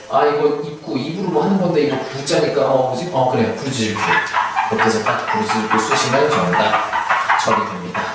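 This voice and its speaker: A male instructor giving a recorded lecture, chatty, who keeps asking his students questions and then answering them himself. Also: mid-range voice. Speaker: hanja certification instructor. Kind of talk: online video lecture. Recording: echoey room, mic far off, faint hiss.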